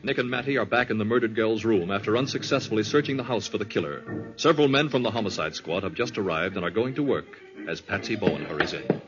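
A man's voice: on the low side, lively intonation, fast talker, over loud music. A man announcing and narrating in a formal, dramatic 1940s radio style. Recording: muffled old radio recording.

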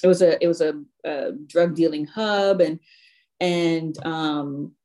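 A woman from Haiti, a podcast guest, recalling her childhood neighborhoods in a halting, reflective way with many fillers. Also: deep voice, steady tone, mellow. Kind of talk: casual chat.

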